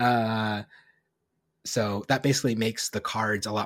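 A moderate pace in an American accent. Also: man. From Brooklyn, New York. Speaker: podcast co-host. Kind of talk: casual chat.

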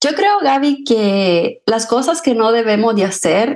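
A woman's normal speaking voice, fairly slow in pace, with lively intonation. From Honduras. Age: 30s. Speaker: podcast co-host, photographer. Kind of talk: casual chat.

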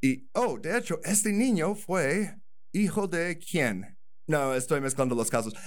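With an English accent, a man talks at a very slow pace in a high voice, his pitch swinging very widely while his loudness stays very even, all with audible room echo. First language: English (speaking Spanish). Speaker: podcast host. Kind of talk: casual history discussion.

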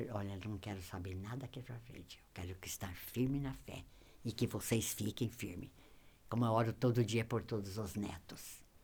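A woman speaks at a very deep, low pitch, somewhat breathy. Her loudness swings widely, broken by long, frequent pauses. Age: 80s+. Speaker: grandmother and evangelist. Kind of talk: casual chat.

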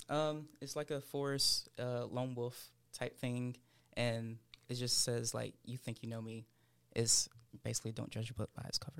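A man talks in a normal speaking voice at medium pitch. His pace is moderate and his intonation fairly even. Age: 20s. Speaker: podcast and production director. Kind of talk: interview.

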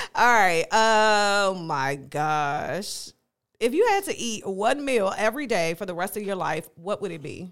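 An unremarkable speaking voice with lively intonation at a fairly slow pace, in a very clean recording with a silent background. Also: woman, medium pitch for a woman. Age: 40s. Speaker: podcast co-host. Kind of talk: casual chat.

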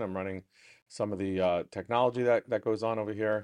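A man talks in a normal speaking voice at a medium pitch. His intonation is fairly even, with a quiet background behind him. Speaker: company representative. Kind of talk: promotional interview chat.

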